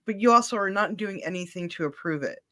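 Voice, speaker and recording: A woman's voice: medium pitch, expressive, quick pace, fairly bright tone. Chatty, self-mocking woman in her thirties. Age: 30s. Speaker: co-host of a reaction stream. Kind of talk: casual chat.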